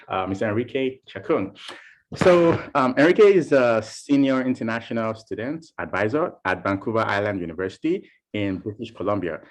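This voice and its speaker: A man hosting an interview, enthusiastic and halting, often restarting his sentences. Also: on the low side. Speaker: interview host. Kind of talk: podcast interview.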